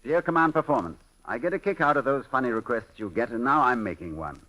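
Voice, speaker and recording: A man hosting a 1940s radio show, reading letters in a brisk, jokey announcer's delivery. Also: mid-range voice, lively intonation, sharp tone, low-quality recording.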